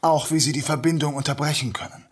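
A man's voice: fairly high pitch, fairly even intonation, quick pace, breathy edge. An actor playing an idealistic young male police inspector, speaking earnestly and insistently in a German audio drama. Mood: serious, insistent. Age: young adult.

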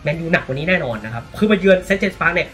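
A man from Thailand giving casual, animated football commentary, often exclaiming, with faint music behind him. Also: on the high side, rapid-fire.

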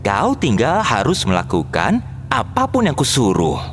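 A scheming young male musician from a cartoon tale, sly and bossy, his voice pushed low and swinging widely in pitch, as a woman puts him on. He gives orders in a commanding tone. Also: wildly swooping pitch, a little slow, faint music behind, heavily acted. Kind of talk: cartoon dub storytelling.

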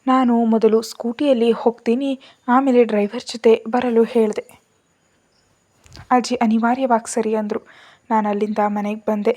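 A woman narrating a first-person romance story aloud, with a lively, expressive reading. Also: a little high, normal speed, long pauses.

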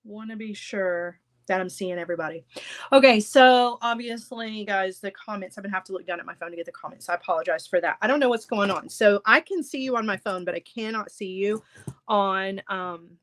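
Brisk and mid-range, with a congested, stuffy-nosed sound, this thirty-something woman chats casually with viewers on her jewelry-making livestream. Speaking from her home craft room, she's animated and talkative, using her hands as she speaks.

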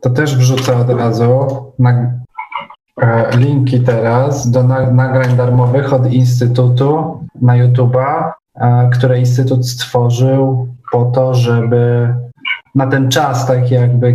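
A man with a dark, relaxed voice and very level intonation co-hosts casually on an online call. His sound is noticeably echoey. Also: mid-range voice, unhurried, faint music behind. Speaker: co-host of an online meeting. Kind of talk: casual chat. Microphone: online call microphone.

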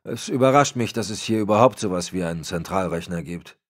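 A man's voice: sits low, a little fast, voice pushed up. A man voicing an easygoing, wry young man chatting with a computer.

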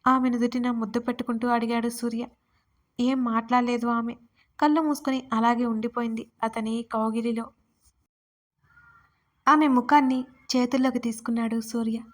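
A woman storyteller reading a romance story aloud in steady, even scripted narration. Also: fairly high pitch, normal speed, pauses often.

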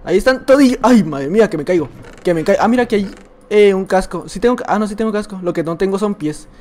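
A young man with a Mexican accent giving excitable, chatty live gameplay commentary, repeating phrases and laughing often. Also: high-pitched, quick pace. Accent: Mexican Spanish. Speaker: gaming YouTuber.

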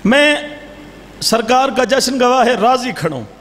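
A man's voice: very high voice, expressive, moderate pace. A man with a Pakistani accent giving a devotional storytelling oration, declaiming and urging the crowd to respond. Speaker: religious orator. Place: large gathering hall. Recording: reverberant hall, faint noise.

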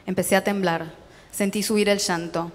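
A woman with a Rioplatense accent reads literary fiction aloud at a festival, steady and measured. Her voice sits at an ordinary middle pitch, and a long hall reverb trails after each sentence. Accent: Rioplatense Spanish. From Argentina.

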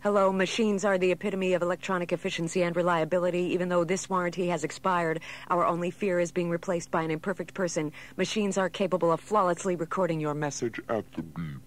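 An actor voicing an efficient electronic answering machine in a formal, measured greeting. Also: medium pitch, natural voice. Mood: polite, efficient. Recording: noisy old cassette recording with hum.

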